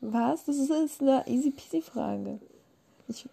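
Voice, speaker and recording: A woman's voice: high voice, unhurried, creaky, warm tone, breathy edge. A tired young woman hosting a casual podcast, teasing her guest and laughing often, late at night from bed. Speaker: podcast host. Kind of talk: casual chat.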